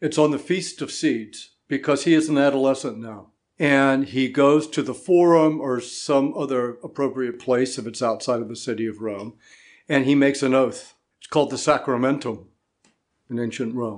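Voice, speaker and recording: Against a quiet background, a man with an American accent and an ordinary speaking voice talks at a moderate pace, with ordinary pitch variation and big swings in loudness. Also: medium pitch for a man. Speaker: philosophy professor. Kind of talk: interview.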